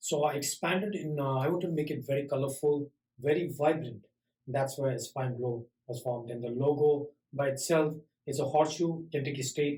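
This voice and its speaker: Fairly quick and somewhat breathy, a man's fairly high voice has a dark, mellow tone and fairly even intonation. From immigrant to the US. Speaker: small business owner. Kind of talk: interview. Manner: halting.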